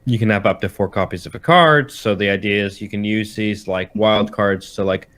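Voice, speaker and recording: Man, lowish voice, casual games podcast host, explanatory, hesitant, rephrases mid-sentence. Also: normal speed, a bit bright. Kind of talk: casual chat about games.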